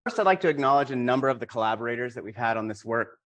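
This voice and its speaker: A middle-aged university administrator, a man, giving a measured, matter-of-fact conference talk. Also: mid-range voice, expressive, fairly bright tone, muffled recording.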